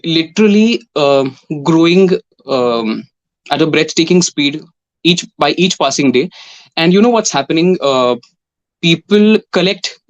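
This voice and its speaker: A young Indian man with a fairly high voice answers in an interview, taking his time. He is thoughtful and measured, pausing often and restarting his phrases as he talks about his work. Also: rough recording. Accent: Indian English. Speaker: voice and dubbing artist, French interpreter.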